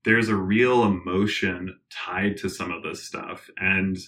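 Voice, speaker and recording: A man being interviewed, talking in a casual, animated way with many fillers, restarts and frequent laughs. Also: low voice, slow. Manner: laughs often. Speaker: interview guest, tech founder.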